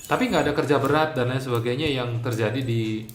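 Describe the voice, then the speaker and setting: A man hosting a casual health interview, asking questions with lively curiosity and laughing easily. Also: medium pitch, fast, roomy sound, crowd noise. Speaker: host.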